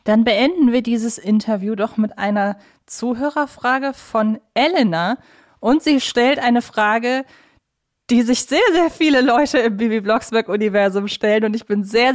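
A woman's voice: on the high side, normal speed. A woman co-hosting a podcast interview, earnest and fond of repeating words for emphasis. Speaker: podcast co-host.

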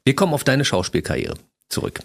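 A man hosting a late-night radio talk show, interviewing a guest in a playful, animated way. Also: mid-range voice, fast, gravelly. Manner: animated, playful, warm encouraging remarks. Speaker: radio host.

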